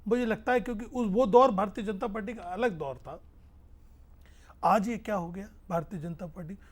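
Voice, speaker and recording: Man, high-pitched, political panelist, forceful debate. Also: moderate pace.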